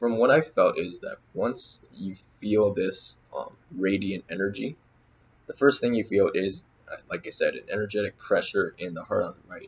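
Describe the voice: This man is doing a put-on character voice with a raspy edge. His delivery keeps to a moderate speed.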